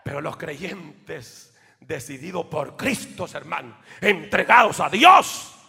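A male pastor preaching a fiery sermon, shifting from loud shouts to quiet asides aimed at the congregation. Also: a little high, lively intonation, takes it slowly, creaky, big-room sound. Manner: swings between shouting and near-whispered asides, calls out to the congregation. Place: church.

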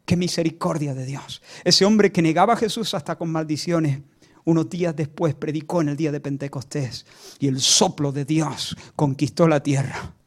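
A high-pitched male preacher delivers a dramatic sermon. He repeats words for emphasis and swings between near-whispers and ringing declarations. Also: fairly even intonation, moderate pace.

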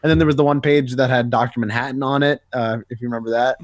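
Male co-host, middle pitch, dry close sound, halting and filler-heavy. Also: steady tone, no room sound. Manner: hesitant, with frequent "uh" fillers and stuttered restarts. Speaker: podcast co-host. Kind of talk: casual chat.

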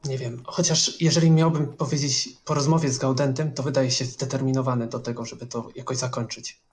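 Hesitant male tabletop player, mid-pitched, uncertain delivery. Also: flat delivery, brisk. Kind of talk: tabletop game role-play.

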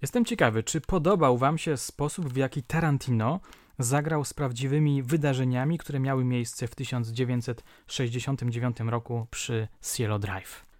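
A man's voice: mid-range voice, normal speed, a little mellow, no echo. A man hosting a true-crime podcast, reading old newspaper reports aloud in scripted, theatrical narration and putting rhetorical questions to his listeners. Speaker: podcast host.

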